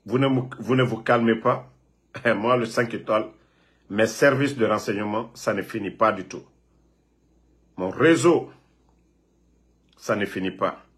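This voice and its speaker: A man's voice: fairly low pitch, unhurried, pauses often, fairly bright tone. A man from Guinea, ranting and scolding a rival on a live phone video, repeating himself. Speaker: political online commentator.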